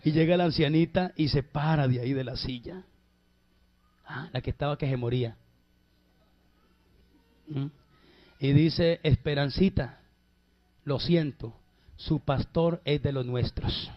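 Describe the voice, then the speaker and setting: Man, preacher, emphatic drawn-out delivery, slightly high voice, muffled lo-fi sound. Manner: emphatic, drawn-out phrases addressed to "hermano". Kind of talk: sermon testimony. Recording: dull lo-fi recording.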